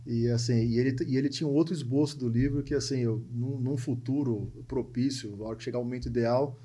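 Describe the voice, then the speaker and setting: Husky Brazilian man in his forties. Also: medium pitch, steady tone, fast talker, warm tone. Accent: Brazilian, São Paulo coast. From Santos, coastal São Paulo, Brazil. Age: 40s. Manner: emphatic repetitions and frequent tag questions seeking agreement. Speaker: podcast guest, entrepreneur and speaker. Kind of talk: conversational personal storytelling.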